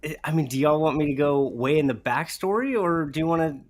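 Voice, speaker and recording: A man's voice: fairly high pitch, a little fast, background noise. Casual, playful man chatting. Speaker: guest co-host, writer and voice actor. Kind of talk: casual chat.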